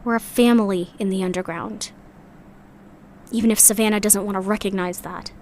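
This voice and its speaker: A woman's voice: mid-range voice, lightly acted. A woman playing a weary, loyal member of a sci-fi underground community in an audio drama, speaking in a reflective, earnest way.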